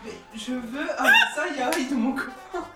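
A woman teasing and asking eager questions in casual chat, her voice high. She sounds far from the mic in an echoey space, with loud music behind her. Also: wildly swooping pitch, moderate pace.

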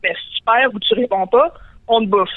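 A menacing cave creature with a hacking, croaking cough, voiced by a woman with a Quebec French accent. It is paranoid and slangy, and it threatens to eat whoever it meets. The sound comes through a tinny, dry phone line. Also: fairly high pitch, fairly quick, no echo, lightly acted. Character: menacing conspiracy-crazed cave creature, Gollum-like.

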